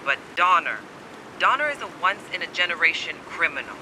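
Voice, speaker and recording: Wary, higher-pitched survivor, rumbling noise. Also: male voice, very animated, fairly quick. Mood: agitated. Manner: terse, guarded, cynical. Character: wary, secretive survivor on edge, blunt and urgent. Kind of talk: dramatic video game acting.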